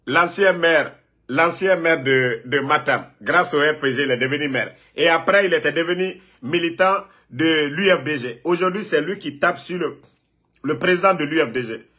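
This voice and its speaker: A man's voice: fairly high pitch, normal speed, bright, forceful tone. A man from Guinea, ranting and scolding a rival on a live phone video, repeating himself. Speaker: political online commentator.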